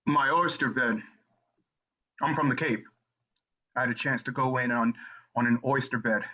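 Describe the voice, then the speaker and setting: Man playing a husky, plain-spoken oysterman. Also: mid-range voice, moderate pace, sharp tone. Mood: matter-of-fact. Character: plain, stolid male oysterman from the Cape. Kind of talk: stage play reading over video call. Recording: dull video call audio.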